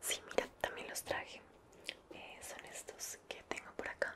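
Whispering comes from a woman over noticeable background noise. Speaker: ASMR creator. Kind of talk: ASMR roleplay as a sneaker shop assistant. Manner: soft-spoken, whispered, relaxing.

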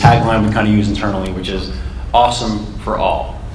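A man's fairly low voice at a very fast pace, with audible room echo and light background noise. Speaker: conference presenter. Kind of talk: conference talk. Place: hall.

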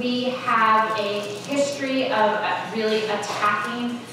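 In a room with strong echo and noticeable background noise, a woman talks with fairly even intonation. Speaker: presenter. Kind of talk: presentation talk. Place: hall.

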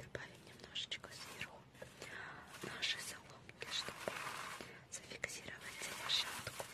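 A woman's whisper at a fairly slow pace, with long, frequent pauses. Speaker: ASMR creator. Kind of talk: ASMR role play, post office clerk. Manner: soft-spoken, whispered. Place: home room.

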